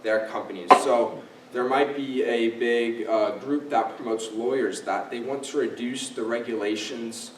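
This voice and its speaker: A young man in his late teens gives an informal talk, walking listeners through points with casual fillers like "first off" and "you know." His pitch is ordinary for a man. The sound comes from a distant mic in a reverberant room with faint background hiss. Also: fairly even intonation, measured pace. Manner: explanatory, casual fillers, signposting. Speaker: guest speaker. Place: library event room.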